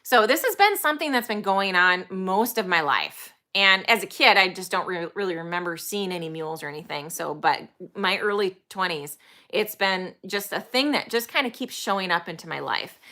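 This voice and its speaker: A woman's voice: medium pitch, animated, normal speed, pushed and bright. A woman in her forties, chatting casually to camera about her animals, rambling and enthusiastic with plenty of ums. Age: 40s. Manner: enthusiastic, emphatic. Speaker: horse trainer and channel host. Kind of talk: casual vlog talk to camera.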